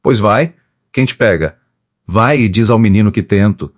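A man voicing a defiant, sharp-tongued young woman in an audiobook. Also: lowish voice, moderate pace, no echo, studio quality, lightly acted. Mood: insistent. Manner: insistent, challenging.

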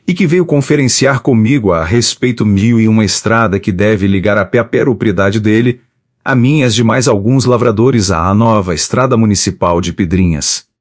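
A man reading a book of letters aloud in a steady, measured way, reading the page headings out too. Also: fairly low pitch, no echo, studio quality. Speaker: audiobook reader.

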